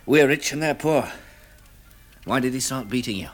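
Male actor as level-headed English hero, brisk, reassuring, animated mid-pitched delivery, vintage radio drama recording. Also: lightly acted. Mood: calm, kindly. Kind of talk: 1960s British radio drama acting and narration. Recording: old radio recording, faint noise.

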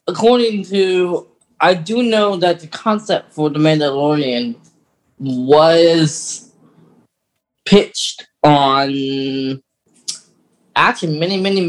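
A man's voice: fairly high pitch, rough recording. A man co-hosting a podcast in casual, chatty conversation, explaining things like an enthusiast. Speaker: podcast co-host. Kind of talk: casual chat.

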